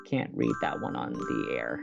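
A man's voice: very deep voice, animated, normal speed, creaky, muffled recording, over music, heavily acted. A man playing an earnest, hesitant young college radio co-host with a romantic streak in an audio drama. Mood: awkward. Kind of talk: naturalistic audio drama dialogue.

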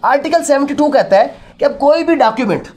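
A man's voice: extremely high pitch, expressive, brisk, a little mellow, dull audio. A man with a Pakistani accent giving a didactic law lecture, mixing in English terms and answering his own questions.

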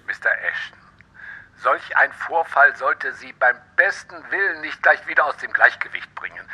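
An actor playing a firm, reassuring psychiatric doctor in a horror audio drama, reasoning insistently. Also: male voice, mid-range voice, bright, forceful tone, slightly rough, full character voice.

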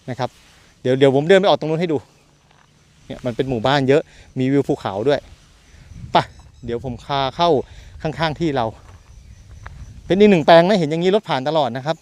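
A man's voice: fairly high pitch, a little mellow. A man selling land, walking outdoors through open rural fields and chatting loosely to a handheld camera as he keeps pointing things out. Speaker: land seller and property reviewer. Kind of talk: casual walking tour to camera. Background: birds and open countryside.

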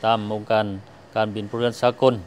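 A man's voice: fairly low pitch, monotone, very fast, a little mellow, slight background noise. A middle-aged man from Laos, an official giving a statement to the press into a handheld microphone. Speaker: government official, air traffic director general. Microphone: handheld interview microphone.

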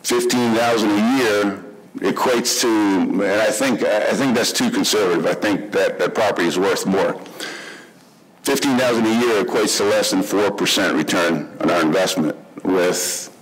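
A middle-aged man, president of a homeowners group, reading prepared public comments at a podium in a meeting room. He speaks earnestly and haltingly, with many fillers. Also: fairly low pitch, slight background noise, low-quality recording. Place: indoor township meeting room. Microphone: podium microphone.

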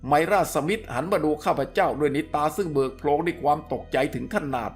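Man, storyteller, fairly high voice, measured adventure reading, faint music underneath. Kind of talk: reading a serialized adventure novel aloud.

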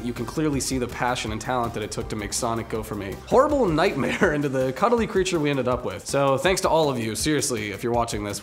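Lively young man co-hosting with loud bursts. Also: medium pitch. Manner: animated, jokey, swings to loud bursts. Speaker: co-host. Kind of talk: casual scripted video commentary.

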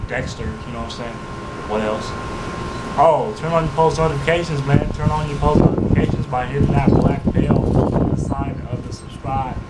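Laid-back young man over loud hum. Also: medium pitch, fairly even intonation, normal speed. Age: young adult. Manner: rambling, laid-back, with frequent fillers. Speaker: music reaction vlogger. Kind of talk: casual slangy monologue to camera. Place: small indoor room.

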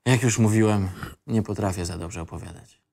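A man's voice: lowish voice, normal speed, vocal fry, a little mellow. An actor playing a reflective man of twenty-five who recalls his childhood in an audio drama.

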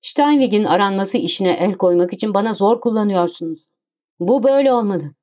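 Cool smooth gentleman thief giving orders, read by a woman narrator, audiobook, mid voice. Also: mid-range voice, lively intonation, brisk, close to an everyday voice. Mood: calm, commanding. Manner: cool, commanding, self-assured. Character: suave, commanding gentleman thief, adult man.

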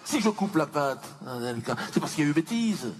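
A punchy stand-up comedy character acted by a man: a pompous colonial slave owner who pities himself. The voice is fairly high and leaps about theatrically in wounded indignation. It comes from a live stage with clear background noise. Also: big pitch swings, a little fast, some chatter behind. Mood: self-justifying. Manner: theatrical, indignant, mock-dignified, swinging to shrieked protests.

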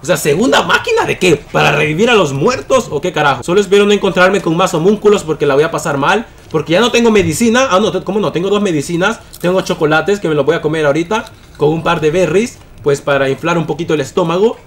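Young male gamer, high voice, loud and excitable, close mic. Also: fast talker, hardly any pauses. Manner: excitable, yelling at enemies in bursts. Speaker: gaming YouTuber. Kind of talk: gameplay commentary.

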